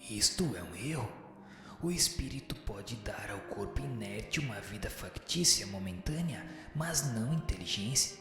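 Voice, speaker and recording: Solemn male spirit teacher played by a man, radio drama, formal and measured, in long cavernous reverb over music. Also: lowish voice, expressive, fairly bright tone. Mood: firm, didactic. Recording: reverberant echoing hall, music underneath.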